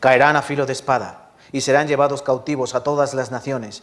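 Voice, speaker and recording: This man speaks with a Castilian accent. His pitch is fairly high and his pace fairly quick. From Spain. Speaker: preacher. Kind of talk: sermon.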